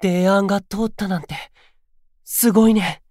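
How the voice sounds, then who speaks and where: A considerate young male idol who worries easily. His delivery is gentle and earnest, in a light boyish register, with the dry studio sound of an audio drama. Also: high-pitched, fairly even intonation, normal speed, dry recording. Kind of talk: Japanese anime-style audio drama acting.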